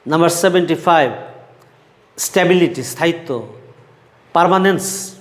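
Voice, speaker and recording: A man's voice: on the high side, moderate pace. A male English teacher from Bangladesh reading out lists of synonyms word by word and explaining them to his students. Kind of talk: slow vocabulary lesson, reading word lists. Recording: echoey room with long reverb.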